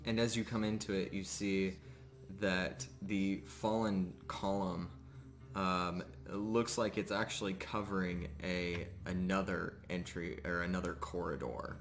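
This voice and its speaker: With music behind him, a man serving as game master narrates a live tabletop RPG session. His voice sits low and steady, and he frequently stops mid-sentence as he describes things.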